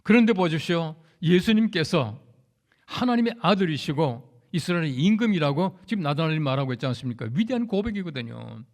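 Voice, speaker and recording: A man's voice: on the high side, expressive, a little fast. A man preaching a conversational sermon as a pastor, telling anecdotes and speaking directly to the congregation. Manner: recounts anecdotes with acted quotes. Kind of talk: storytelling sermon.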